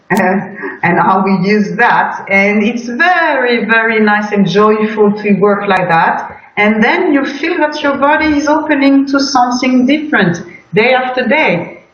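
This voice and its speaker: Slow, hesitant French-accented woman. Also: medium pitch, echoey room, muffled recording, a little hiss or hum. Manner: hesitant, many uh fillers, slow searching phrasing. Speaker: healing practitioner. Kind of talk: casual conversation.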